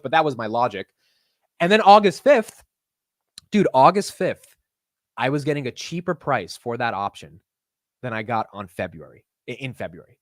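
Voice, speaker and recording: A young man with a deep voice hosting a live market stream in casual, animated chat. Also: no room sound, clean studio sound. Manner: animated, says "dude" and "like" a lot.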